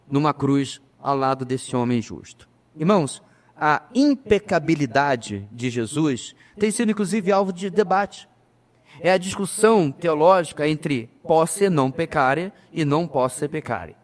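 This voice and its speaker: A man preaching a sermon as pastor, addressing the congregation as brothers, emphatic with slow pauses. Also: on the high side. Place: church. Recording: reverberant church hall.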